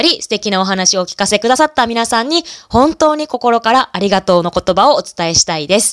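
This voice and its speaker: A woman with a normal speaking voice talks at a fairly quick pace with lively intonation. The sound is dry and close, with no echo. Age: 30s. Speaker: podcast host and office worker. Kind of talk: solo monologue podcast. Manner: polite, formal.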